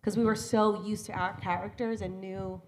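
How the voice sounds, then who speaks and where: A woman's voice: mid-range voice, little pitch movement, normal speed, slight background noise. A woman in her thirties, a voice actor guest chatting animatedly on a convention panel with a handheld mic. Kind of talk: casual panel chat.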